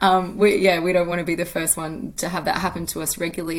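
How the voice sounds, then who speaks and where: Over noticeable background noise, a woman in an Australian accent talks fairly quickly at a medium pitch. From Australia, Canberra. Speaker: former women's footballer and pundit. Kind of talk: casual chat.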